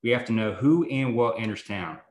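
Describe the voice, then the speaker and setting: A man's voice: mid-range voice, brisk, echoey room, natural voice. A man reading the part of a blunt, defiant man leading strike plans, with some cursing, at a table read. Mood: determined.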